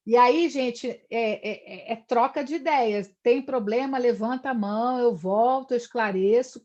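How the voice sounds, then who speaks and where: A woman's voice: on the high side, a little mellow, dull audio. A middle-aged woman from Brazil lecturing on history, talking in long discursive runs and tagging her sentences with questions. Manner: discursive, frequent "né?" tags. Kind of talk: live online lecture.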